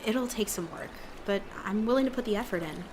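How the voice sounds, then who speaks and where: Casting: actress as determined young woman, mid-pitched, earnest and persuasive, slight ambient noise. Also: a little fast, natural voice. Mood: reassuring. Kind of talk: audio drama acting.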